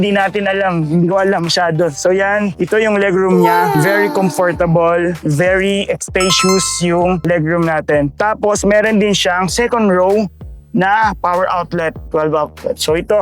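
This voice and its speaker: A man with a Filipino accent giving a casual walkaround tour of a car's interior, explaining each feature step by step with many fillers. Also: high voice. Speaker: car sales presenter. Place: inside a parked car.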